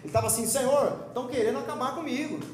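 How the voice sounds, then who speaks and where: A young man with a Brazilian Portuguese accent teaching a Sunday school sermon in a lively, joking, conversational way. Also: extremely high pitch, very fast, roomy sound, a little hiss or hum. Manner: lively, joking, conversational preaching with quoted voices. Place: church hall.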